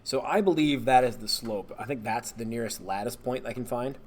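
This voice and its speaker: A man, a math teacher, relaxed and thinking aloud as he walks through homework problems and corrects himself along the way. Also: mid-range voice, brisk. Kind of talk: homework walkthrough screencast.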